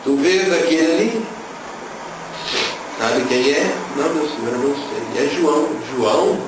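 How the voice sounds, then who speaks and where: A man's voice: on the high side, animated, unhurried. A man gives an emotional religious testimony, telling his story and acting out the dialogue. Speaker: testimony speaker. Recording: echoey, distant, noisy room.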